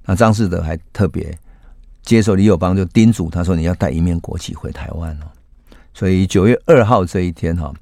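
A man hosting a history podcast, telling a story in a casual narrating voice that rises sharply when he acts out the shouts of the people in it. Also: low-pitched, creaky, dry recording, studio quality. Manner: animated when voicing quoted shouts; casual filler particles between phrases. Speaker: host.

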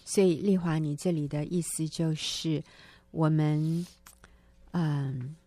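A middle-aged woman hosting a Christian counseling talk show, warmly summarizing advice in short, affirming phrases. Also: deep voice, fairly even intonation, takes it slowly, no echo. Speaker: host.

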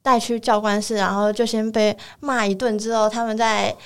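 A woman's voice: on the high side, normal speed, clear, resonant tone. Young Taiwanese woman recounting her past. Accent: Taiwanese Mandarin. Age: young adult. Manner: plain and steady, often affirming with repeated "yes". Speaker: guest. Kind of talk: telling her life story in a casual chat.

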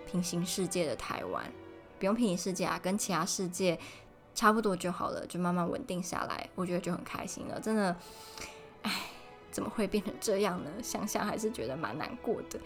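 A young woman from Taiwan, chatting casually on her solo podcast from home and telling stories in an animated way. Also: on the low side. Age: young adult. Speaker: podcast host.

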